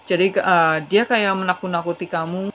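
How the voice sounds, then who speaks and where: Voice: mid-range voice, fairly even intonation, moderate pace, faint music behind. A tarot reader giving a casual, chatty reading straight to the viewer, earnest and advising. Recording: slightly dull with faint hiss.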